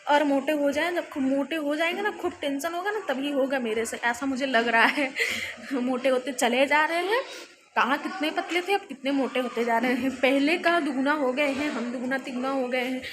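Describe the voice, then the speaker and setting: A woman's voice: high voice, moderate pace, noisy background. A young woman chatting casually in a home vlog, laughing often as she talks, recorded indoors on a phone. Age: young adult. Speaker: vlogger.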